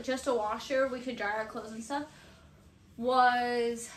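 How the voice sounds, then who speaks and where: A young woman vlogger with a high, slightly bright voice chats casually and unscripted to camera in a small bedroom. She rambles, corrects herself, and often laughs between phrases. The camera sits a few metres away, giving a roomy echo and some background noise.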